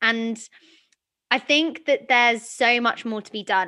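Against a quiet background, a woman speaks at a fairly slow pace. Her pitch is fairly high and her tone bright and sharp. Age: 20s. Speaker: podcast host. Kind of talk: interview.

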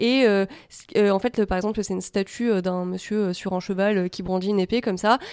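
A woman's plain, everyday voice of medium pitch, fairly even intonation and moderate pace, with a dry, close sound with no echo. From France, Cannes. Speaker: film critic. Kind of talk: casual chat.

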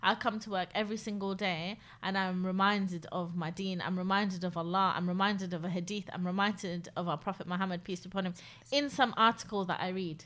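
Speaking at a very fast pace, a woman keeps her intonation fairly even at a medium pitch. The recording is very clean, with a silent background. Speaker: company founder and podcast guest. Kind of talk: casual reflective conversation.

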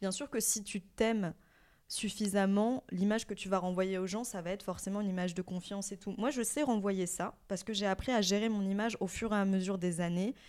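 A woman with an unremarkable speaking voice and a medium pitch talks at a fairly quick pace with fairly even intonation, in a very clean recording with a silent background. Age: 20s. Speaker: actress and social media manager. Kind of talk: casual chat.

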